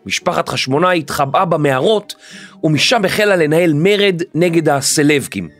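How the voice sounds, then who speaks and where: A man hosting a history podcast, telling the story in a lively, animated scripted narration. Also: on the high side, soft background music.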